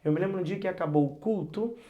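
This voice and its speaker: A man, a pastor and psychologist, talks as a podcast guest in a voice pitched a bit higher than most men's. He tells lively family stories and jumps into the voices of the people in them. His advice comes across as earnest and direct. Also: fast, highs cut off. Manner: animated storyteller who acts out parents and children; earnest, advising. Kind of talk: podcast interview talk.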